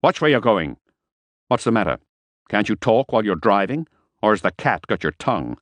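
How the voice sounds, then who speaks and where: A man's voice: fairly low pitch, very animated, moderate pace, no room sound, pitched above the performer's own voice. A man reading aloud and voicing a menacing, sarcastic male crime boss, with curt and bullying speech.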